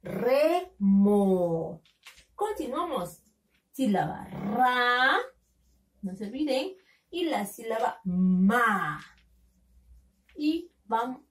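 A woman teaching a phonics lesson to young children, sounding out syllables slowly and coaxing them with questions. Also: fairly high pitch, a bit bright, distant mic. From Peru. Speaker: kindergarten teacher.

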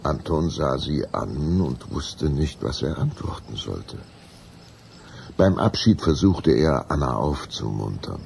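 A man narrating a children's radio play as a suspenseful, deliberate storyteller. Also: very deep voice, lively intonation, creaky, darkish tone, slight background noise.

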